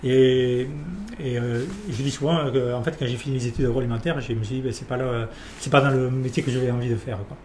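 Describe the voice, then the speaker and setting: A man's voice: mid-range voice, little pitch movement, fairly quick, few pauses, a little mellow, a little hiss or hum. A man, a winemaker guest talking through his career with a lot of fillers and restarts. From Perpignan, France. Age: 40s. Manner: hesitant, many fillers and restarts. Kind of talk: casual interview. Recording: echoey room with faint ambience.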